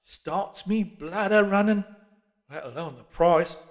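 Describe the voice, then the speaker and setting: A man putting on a gruff old man. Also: high-pitched, slow pace, pitched above the performer's own voice. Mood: grumbling. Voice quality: gruff, pugnacious. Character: grumbling old working-class London man. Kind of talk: audiobook character voice.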